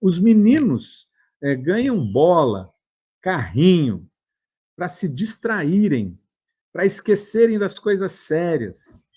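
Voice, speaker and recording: A man's voice: high voice, very animated, takes it slowly, mellow, husky. A Brazilian man with a Brazilian Portuguese accent, a therapist giving an earnest motivational talk full of anecdotes and repeated "né?" tags.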